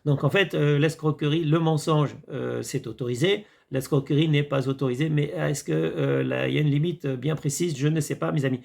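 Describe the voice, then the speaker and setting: A man's voice: on the high side, steady tone, normal speed, creaky, hardly any pauses, a little mellow. A man talking casually to his viewers in a rambling monologue, hesitating often and calling them his friends. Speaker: video commentator. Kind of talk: casual monologue reviewing a series.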